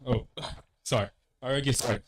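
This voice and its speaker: A man's voice: mid-range voice, normal speed, a little hiss or hum. A man from Senegal giving a motivational religious address as a mosque youth director, earnest and repeating key phrases for emphasis. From Senegal, West Africa.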